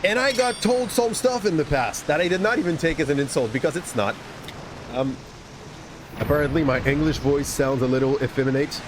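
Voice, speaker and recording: A man's voice: fairly high pitch, fairly quick, noisy background. A man from Quebec with a light Québécois accent, rambling chattily while commenting on his gameplay. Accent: Québécois French. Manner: chatty, rambling, often restarts words. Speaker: gaming streamer. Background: game music.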